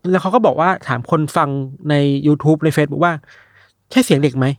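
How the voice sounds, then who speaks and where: A young man casually retelling news stories on a podcast, animated and acting out the people he quotes. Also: a little high, moderate pace, no room sound, studio quality. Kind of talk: casual storytelling chat.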